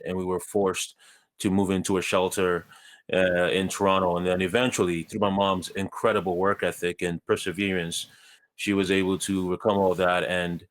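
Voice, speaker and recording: Deep voiced guy from ghana, calm and earnest, cracks a joke at himself now and then. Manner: measured and earnest, with light self-deprecating humor. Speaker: guest. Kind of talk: telling his life story in a conversation.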